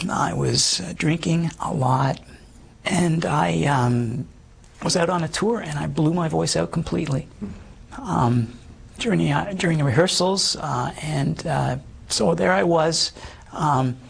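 Man around fifty, hoarse, heavy fry, raspy, earnest, halting speech. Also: a little high. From Canada. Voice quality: hoarse, gravelly voice. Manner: earnest, halting, many fillers and restarts. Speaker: guest sharing his testimony. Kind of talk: personal testimony in conversation.

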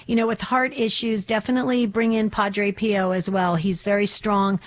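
A woman hosts a faith-centered call-in radio show, talking in a chatty, devout way. Her voice is slightly hoarse, and she restarts her sentences often. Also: medium pitch, flat delivery, moderate pace.

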